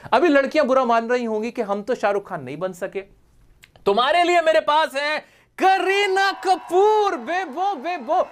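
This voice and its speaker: A man teaching spoken English online in a lively, coaxing way, repeating points and asking rhetorical questions. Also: extremely high pitch. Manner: lively, coaxing, affectionate toward students.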